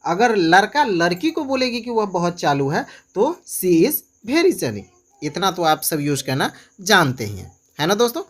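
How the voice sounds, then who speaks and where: A man tutoring English in a casual online class, slowing down to repeat example phrases and keep coaxing viewers to answer. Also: high-pitched, big pitch swings. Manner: repeats example phrases slowly and keeps urging viewers to comment.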